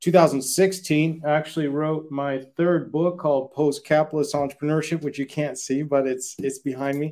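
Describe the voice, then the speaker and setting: A man with a fairly high pitch and a dark, mellow tone, in an American accent, monotone and flat in intonation at a moderate pace, on a very clean recording with a silent background. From United States. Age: 50s. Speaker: startup founder. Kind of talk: interview.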